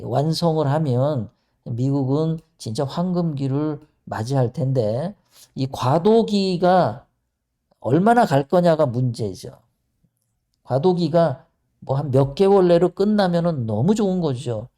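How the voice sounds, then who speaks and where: A man's voice: on the high side, animated, measured pace, mellow. A middle-aged man giving an emphatic, sarcastic political commentary monologue.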